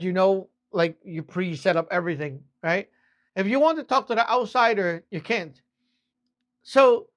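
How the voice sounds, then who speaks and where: A Taoist master from Hong Kong with a Hong Kong accent, explaining in a loose, chatty way and often tagging sentences with a question. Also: medium pitch. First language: Cantonese. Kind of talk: casual explainer vlog.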